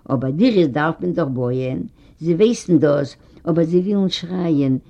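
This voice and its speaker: A reader voicing an old kibbutz man who drives an old car, gruff but kindly, talking in a folksy, joking way, a bit louder than the narration. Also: mid-range voice, a little slow. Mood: teasing. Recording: dull lo-fi recording.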